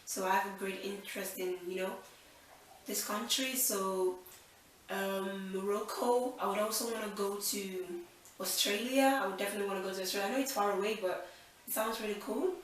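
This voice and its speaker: A woman's voice: medium pitch, steady tone, fairly quick, very echoey, distant mic, a little hiss or hum, rough recording. A woman in her twenties from Nigeria hosting a casual Q&A vlog, chatty and upbeat, thinking aloud with fillers. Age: 20s. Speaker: channel host.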